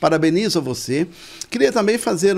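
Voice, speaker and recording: Lively intonation runs through this man's fairly high voice, a normal speaking voice. The recording is very clean, with a silent background. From Minas Gerais, Brazil (Triângulo Mineiro). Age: 60s. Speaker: local government official and journalist. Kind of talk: podcast interview. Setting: podcast studio.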